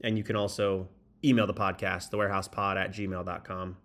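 A man's voice: sits low, level tone, fairly quick, fairly bright tone. Guy rambling thru casual solo sports commentary, echoey spot, not a proper mic. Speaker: sports podcast host. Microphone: makeshift mic, not the proper one. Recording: echoey room, improper microphone.

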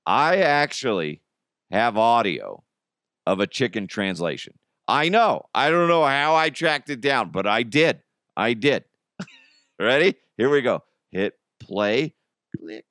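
A man's voice: mid-range voice, big pitch swings, slow pace, fairly bright tone, no echo, clean studio sound. A man hosting a podcast with casual, jokey comedic commentary on the news. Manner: jokey, chuckles at own jokes. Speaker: podcast host.

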